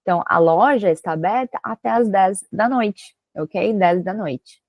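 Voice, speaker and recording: A woman teaching an English lesson who often checks in with her students and reads the English example sentences slowly and carefully. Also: mid-range voice, a little mellow, no room sound. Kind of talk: online language lesson.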